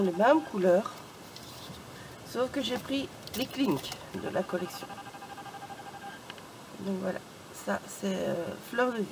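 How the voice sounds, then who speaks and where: Chatty woman, craft tutorial host, casual and filler-heavy, clear background noise. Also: mid-range voice. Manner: chatty, many fillers and "voilà", self-deprecating. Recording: noisy room ambience.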